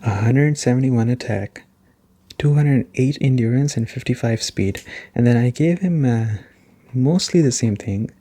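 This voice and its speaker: A soft-spoken man giving a relaxed, explanatory gaming chat in an ASMR style, rambling a little as he goes. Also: medium pitch, measured pace. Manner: rambling, explanatory, often checking in with "right?". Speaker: gaming reviewer and host.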